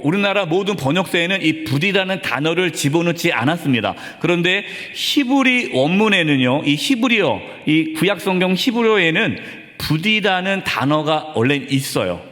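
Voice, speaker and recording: A man who is a pastor, preaching a sermon emphatically, with dramatic pauses, in a church sanctuary. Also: fairly high pitch, fairly bright tone, long reverb tail.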